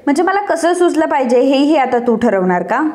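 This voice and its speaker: A woman voicing a stubborn, sharp-tongued young woman designer in a retold TV serial, speaking defiantly. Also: high-pitched, big pitch swings, a little fast.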